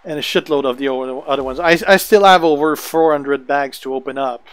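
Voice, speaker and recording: A man with a French accent, a native French speaker, chatting casually to viewers on a gaming live stream, relaxed and chuckling often. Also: mid-range voice, a little fast, smooth, dry recording.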